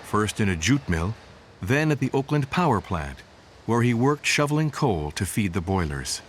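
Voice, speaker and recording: A man narrating a documentary from a script in a measured storytelling manner. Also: on the low side, big pitch swings, a little hiss or hum. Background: music bed.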